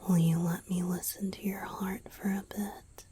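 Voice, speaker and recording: A woman voicing a gentle, teasing, affectionate young male vampire boyfriend in a breathy, intimate ASMR roleplay. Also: on the low side, level tone, a little hiss or hum, lightly acted. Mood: tender whisper. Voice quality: breathy, mostly whispered. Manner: slow, intimate, soothing, softly teasing.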